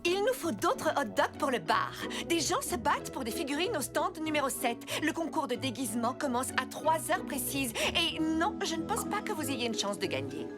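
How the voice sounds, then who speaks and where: A woman's voice: high voice, sing-song, normal speed, hardly any pauses, loud music behind the voice. A woman playing a sly villainess posing as an over-eager, bossy superfan in a French cartoon dub. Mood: bossy, brisk. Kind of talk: French-dubbed animated cartoon acting.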